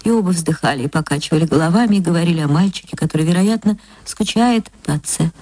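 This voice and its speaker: A woman narrating a classic story for radio in a measured, expressive way, on an archival recording. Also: lowish voice, no room sound. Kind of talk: literary reading for radio.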